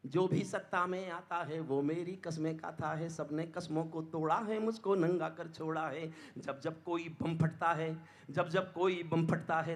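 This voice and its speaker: Male stage poet, high ringing voice, declamatory, calls on the audience for applause. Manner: declamatory, swings from hushed lines to loud impassioned peaks; asks the audience directly for applause. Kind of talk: stage poetry recitation.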